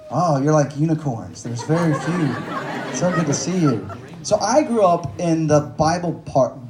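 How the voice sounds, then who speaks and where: This man in his forties from Texas has a fairly high, warm voice as he shares joking, self-deprecating stories with a bookstore audience. His talk is conversational and packed with fillers, recorded in an echoey room with faint noise.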